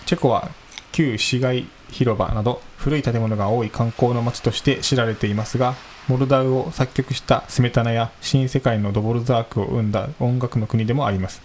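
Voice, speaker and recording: A man's voice: medium pitch, fairly even intonation, a little fast, darkish tone, rough recording. Polite man reading a listener letter. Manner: polite, modest, laughs easily. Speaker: podcast co-host. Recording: faint hiss.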